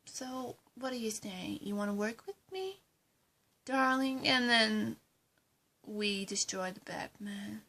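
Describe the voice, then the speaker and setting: Woman playing a scheming supervillain woman, imperious, threatening, fan roleplay, unhurried delivery, slightly high voice. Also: animated, pushed and bright, full character voice. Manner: slow, condescending, drops into menacing whispers, calls everyone darling.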